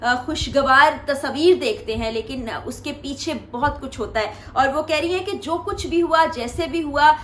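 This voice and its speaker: A woman with a high-pitched voice and a Pakistani accent hosts a celebrity news recap. She explains things to her viewers and often paraphrases statements. The recording sounds echoey, with some faint noise behind her. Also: measured pace, few pauses, a bit bright. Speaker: host commenting on celebrity news.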